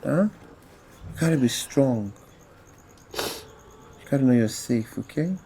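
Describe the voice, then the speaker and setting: A man's voice: mid-range voice, animated, slow pace, background noise. Man playing a soothing uncle. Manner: soothing, reassuring. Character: comforting uncle, gentle adult man. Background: music score.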